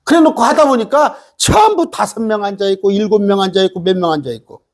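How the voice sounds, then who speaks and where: A man's voice: high voice, animated, quick pace. A man preaching a sermon as pastor, emphatic and full of rhetorical questions and "eh?" asides.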